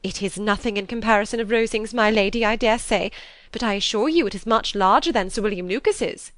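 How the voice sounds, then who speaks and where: A woman's voice: mid-range voice, brisk, dry recording, natural voice. A woman voicing an eager-to-please middle-aged mother who talks in a gushing, effusive way. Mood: eager, flattering.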